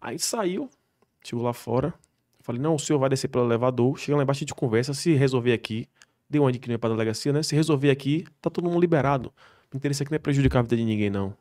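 A man, a military police soldier, telling slangy, animated stories on a podcast. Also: medium pitch. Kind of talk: podcast storytelling.

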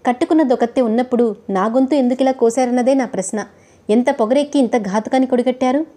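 A woman's voice: on the high side, quick pace, mellow, natural voice. A woman voicing a heartbroken, deceived young bride who speaks in a bitter, accusing way. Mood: furious.

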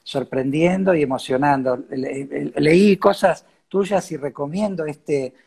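A man in his fifties with a Cordoba Argentine Spanish accent, hosting a conversational interview in a halting manner on a video call. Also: on the high side, gravelly, darkish tone, breathy edge. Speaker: interview host.

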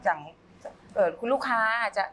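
A woman's voice: medium pitch, normal speed, slight background noise. A middle-aged woman, a restaurant owner on a TV talk show, answering politely and agreeing often. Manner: polite, affirming with frequent "yes". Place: TV studio set.

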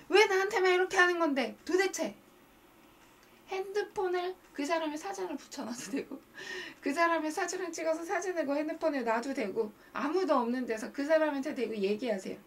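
Gravelly, lively woman coaching viewers. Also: high-pitched, distant mic, slight background noise. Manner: animated, emphatic, talks straight to viewers. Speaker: mind-training coach and live-stream host. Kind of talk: casual live-stream coaching talk.

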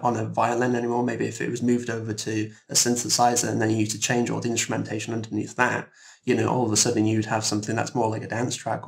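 A man speaking casually as a composer guest in a roundtable interview, explaining things in a halting, thoughtful, rambling way. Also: lowish voice, gravelly.

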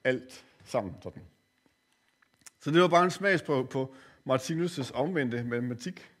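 An older man giving a spiritual lecture in a course center, speaking reflectively and pausing often with hesitant fillers. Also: mid-range voice, fairly bright tone.

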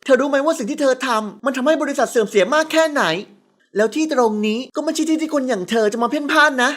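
A woman's voice: high voice, very slow, sharp tone, pitched above the performer's own voice, heavily acted. A woman voicing a scornful, hostile young female secretary in an audiobook. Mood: sneering. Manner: sneering, scornful.

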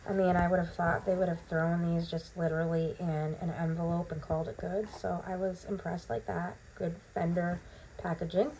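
A woman's voice: on the low side, level tone, normal speed, dark tone, a little hiss or hum, poor audio. A woman casually narrating a home unboxing in a bathroom, rambling with lots of ums, her voice still recovering from being lost. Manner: chatty, rambling with many ums. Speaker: vlogger.

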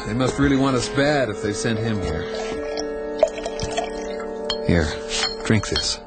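An actor playing an anxious male fugitive from the future, nervous and quick to anger. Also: fairly low pitch, expressive, over loud music. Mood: agitated. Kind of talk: 1980s radio drama acting.

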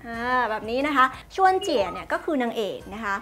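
Teaching Chinese through drama clips, a young woman with a bright, high voice breaks phrases down word by word, chatty and polite, very animated and brisk. Faint, soft music sits under her speech.

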